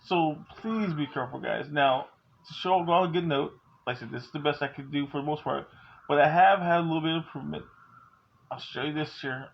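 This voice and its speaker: A man's voice: fairly high pitch, fairly quick, creaky, highs cut off, slight background noise. A man in his forties talking at home, candid and joking but earnest as he gives advice. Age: 40s. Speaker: vlogger. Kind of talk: casual talk to camera.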